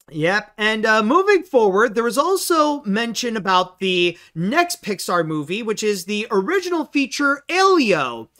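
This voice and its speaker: Against a quiet background, a man projects a raised voice with a bright, sharp tone, very wide pitch swings and a fairly slow pace. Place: home room.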